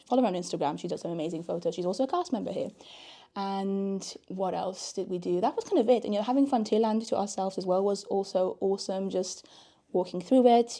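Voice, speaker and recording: A young woman chatting casually in a late-night vlog, tired and a little hoarse, talking to a handheld camera, first outdoors by fountains and then in a hotel room. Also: medium pitch. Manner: chatty, warm and a little tired, with soft laughs. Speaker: vlogger.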